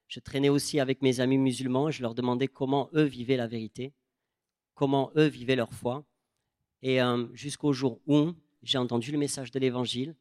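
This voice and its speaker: A young man from the south of France with a southern French accent, preaching a sermon and telling stories with lively quoted voices. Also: mid-range voice, no echo, studio quality. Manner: animated storytelling, quoting people in changed voices.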